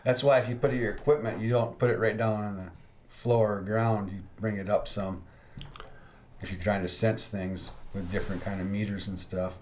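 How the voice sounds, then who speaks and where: A man's voice: lowish voice, steady tone, moderate pace, a little mellow, slight background noise. A man hosting a ghost-hunting podcast, telling investigation stories in casual chat. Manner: storytelling, laughs at his own tales. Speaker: ghost hunter podcast host.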